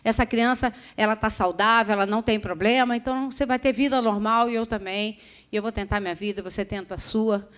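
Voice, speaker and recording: A woman voicing a husband who announces he is leaving, speaking in a quiet, matter-of-fact way. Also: medium pitch, steady tone, a little fast, clear, resonant tone, lightly acted. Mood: cold. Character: calm, cold husband leaving his wife.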